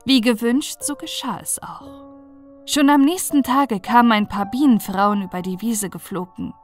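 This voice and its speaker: A woman with a somewhat high voice narrates a scripted bedtime fairy tale. Her delivery is expressive and deliberate, the way an audiobook storyteller reads. Faint music plays behind her.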